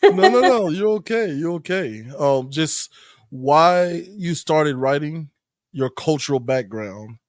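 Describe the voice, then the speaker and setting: A man's voice: fairly high pitch, sing-song, slow pace, no room sound. Male podcast host, close dry sound. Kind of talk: casual podcast interviewing.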